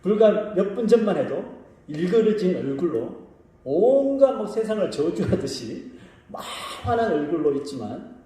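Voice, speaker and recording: Preaching pastor in a very echoey church. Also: male voice, fairly high pitch, warm tone. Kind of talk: sermon. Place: church sanctuary. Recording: very echoey room, voice from a distance.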